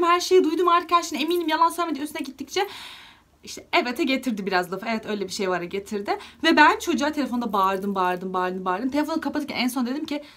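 A young woman talks straight to camera in a casual storytime vlog. Her voice sits a little high and she rattles along quickly, voicing each person in the story as she goes. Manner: chatty, lively retelling of dialogue with many fillers. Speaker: vlogger.

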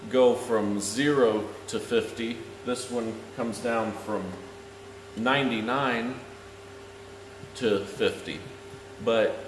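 Slow-talking man in an echoey workshop. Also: mid-range voice. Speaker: welder and video host. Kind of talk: instructional talk to camera. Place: large metal-walled welding shop, indoors. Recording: echoey workshop with clear background noise.

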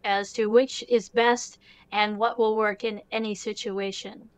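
Adult female narrator through an AI voice changer, smooth, mid-pitched voice-over. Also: level tone, measured pace, no echo.

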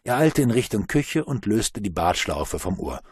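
A man narrating an audiobook in a lively storytelling manner. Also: lowish voice, normal speed, slightly rough, no room sound, clean studio sound. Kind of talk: scripted narration.

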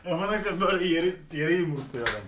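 A young man hosting a casual chat, telling stories in an animated, crude, joking way. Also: on the high side, slight background noise. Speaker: show host.

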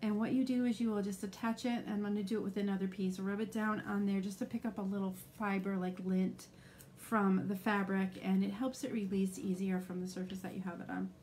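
Middle-aged woman, live craft tutorial host, mid-pitched, chatty step-by-step explainer, faint room hum. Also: level tone, fairly quick, darkish tone. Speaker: craft demonstrator.

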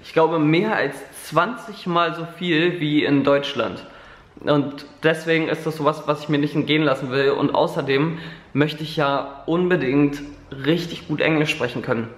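A man's voice: a little high, normal speed, reverberant. A man in his twenties vlogging casually at home, rambling with lots of fillers, talking to a camera held at arm's length. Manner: rambling, filler-heavy, chatty. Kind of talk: casual daily vlog chat. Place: living room at home, indoors.

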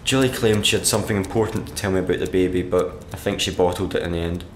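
A man playing a sullen, sardonic writer narrating his diary in a black comedy radio play, dry and deadpan. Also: deep voice, fast, lightly acted. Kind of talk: dramatic monologue, diary narration in a black comedy audio drama. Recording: roomy echo with background noise.

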